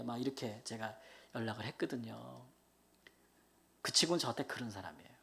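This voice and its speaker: A middle-aged male pastor preaching in a sermon, telling stories earnestly and moving between soft whispered asides and loud exclamations. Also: medium pitch.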